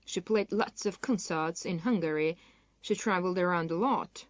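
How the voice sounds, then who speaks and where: A woman playing a dancer interviewed for a magazine in a scripted listening-exam dialogue, speaking in a clear, measured way. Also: fairly low pitch, no echo, dull audio, close to an everyday voice. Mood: polite. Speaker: interviewee in a textbook listening recording.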